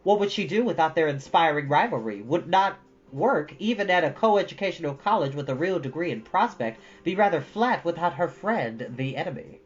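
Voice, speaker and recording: A woman narrating a storybook in an expressive, dramatic, emphatic read. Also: sits low, normal speed, dull audio.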